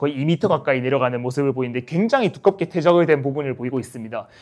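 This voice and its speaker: A man's dark, mellow voice at a very fast pace against a quiet background. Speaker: archaeologist leading excavation team. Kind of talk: lecture. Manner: frequent filler words.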